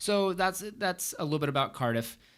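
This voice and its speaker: The recording is very clean, with a silent background. A man with an American accent uses an unremarkable speaking voice and ordinary pitch variation. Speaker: travel podcast co-host. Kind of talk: casual chat. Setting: recording in Amsterdam.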